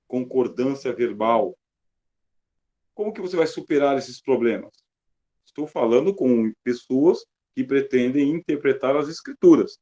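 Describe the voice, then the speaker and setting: A man's voice: medium pitch, mellow. A Brazilian man with a Brazilian Portuguese accent, giving an emphatic classroom lecture on reading scripture and asking and answering his own questions. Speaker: Bible teacher. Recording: slightly dull lo-fi sound.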